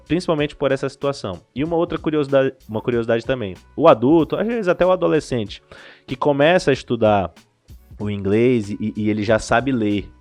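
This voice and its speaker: Animated Brazilian man explaining things. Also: medium pitch. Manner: animated explainer with frequent restarts. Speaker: language school director, podcast guest. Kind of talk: casual explanatory interview talk.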